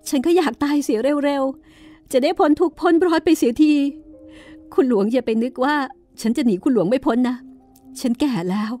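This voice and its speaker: A woman voicing a weary aging wife who pleads through tears, speaking higher than her narration, over soft meditative music. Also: moderate pace, long pauses, lightly acted. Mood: tearful, pleading. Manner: tearful, pleading. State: crying. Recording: music bed with singing bowl.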